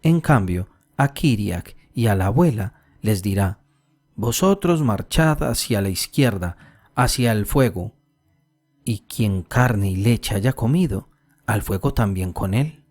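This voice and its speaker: A man's voice: fairly low pitch, expressive, slow, darkish tone, faint music behind. A man voicing a pious little peasant girl who earnestly tells another child about God, angels and the end of the world. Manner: storytelling, mimics her mother tenderly.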